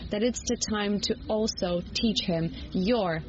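A woman interviews in a conversational style at an average pitch. The sound is a little dull, with faint background noise. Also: unhurried.

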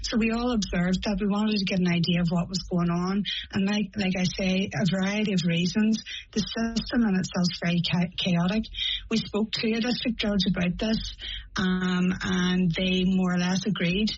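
A woman with a Northern Irish accent, a journalist answering interview questions and often pausing and restarting as she sets out court figures. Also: mid-range voice, fairly even intonation, highs cut off, a little hiss or hum. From Northern Ireland. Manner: hesitant, many pauses and restarts while reporting figures. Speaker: court reporter, journalist guest.

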